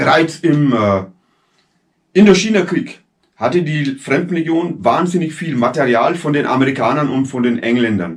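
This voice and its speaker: A man with a German accent speaks at a moderate pace in a fairly high voice with lively intonation. Vocal fry runs through his speech. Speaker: military veteran. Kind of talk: Q&A video answering viewer questions. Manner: halting, with fillers.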